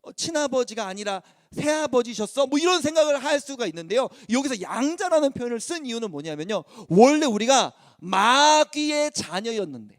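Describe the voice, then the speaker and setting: A male youth pastor preaching to high school students, telling stories in a conversational, animated way. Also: moderate pace, few pauses, no room sound, clean studio sound.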